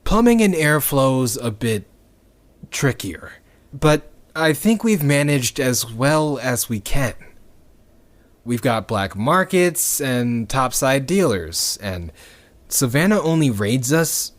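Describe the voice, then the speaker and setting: A man acting as a sardonic, nervy underground rebel telling his story in an audio drama. He takes his time, and his pitch moves up and down freely. The delivery is casual, sweary and wry. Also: big pitch swings, slow pace. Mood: matter-of-fact. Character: nervous, sardonic young underground rebel man recording testimony.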